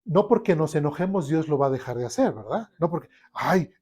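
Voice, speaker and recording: A man's voice: fairly high pitch, brisk, slightly rough. A man preaching a sermon, asking the congregation questions and acting out people's complaints. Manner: animated, asks the congregation questions, acts out complaints.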